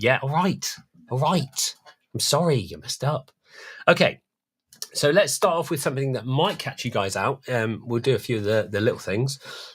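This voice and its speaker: A man's somewhat breathy, medium-pitched voice at a moderate pace, with lively intonation. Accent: Cornish. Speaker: product specialist demonstrating audio mixers. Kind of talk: live stream product demo. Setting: live stream. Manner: relaxed, casual.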